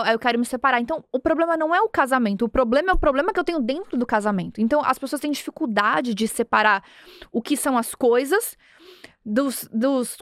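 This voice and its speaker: A woman from Brazil in her thirties, hosting a podcast and telling a personal story in an earnest, animated way, acting out bits of dialogue. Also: high-pitched, dry recording, clean studio sound. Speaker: podcast host. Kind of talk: motivational storytelling.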